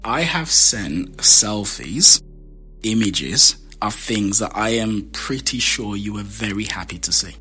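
Man, Jamaican accent, low voice, bright tone, playful teasing, podcast banter. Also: animated, takes it slowly, faint music behind. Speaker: podcast host. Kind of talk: casual flirty banter.

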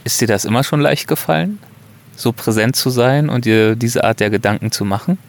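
A man interviewing outdoors, calmly describing the scenery and asking open questions. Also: mid-range voice, a little fast. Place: outdoors on a stone in front of a wooden hut.

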